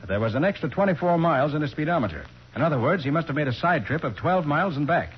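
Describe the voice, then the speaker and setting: A sharp, confident American detective in an old radio crime drama. He talks briskly and assertively with animated swings of pitch. The recording is dull and dated. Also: breathy edge. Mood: confident, accusing. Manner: assertive, explanatory, accusing.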